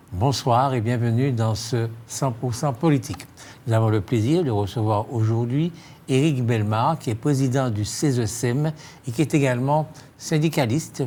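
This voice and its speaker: A man's voice: medium pitch, dark tone. A man hosting a political interview show, formal but pointed in his questioning. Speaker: television host interviewing a guest. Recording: clear background noise.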